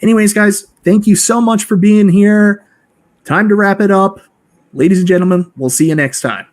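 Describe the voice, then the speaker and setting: Male live-show host, enthusiastic, fairly high pitch, keeps things moving. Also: normal speed, a little mellow. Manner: upbeat, enthusiastic. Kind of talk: live-stream hosting.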